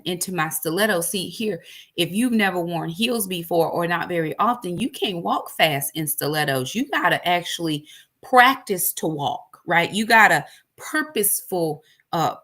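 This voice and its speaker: Her voice fairly low yet fairly bright, a woman in her 40s who hosts a ministry shares her own faith story. The telling is preacherly, forceful, and full of repetition.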